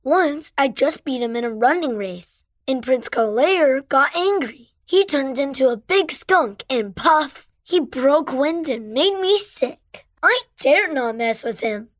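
Storybook: woman voicing a jumpy little kid, high, dry close recording. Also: expressive, slow, few pauses, no echo. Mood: worried. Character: frightened young child.

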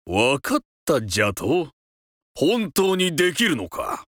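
An actor playing a pompous, playful older feudal lord with an old-fashioned lordly manner of speech in a children's folk tale. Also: male voice, fairly high pitch, very animated, takes it slowly, fairly bright tone, dry recording, clean studio sound, exaggerated voice. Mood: testing.

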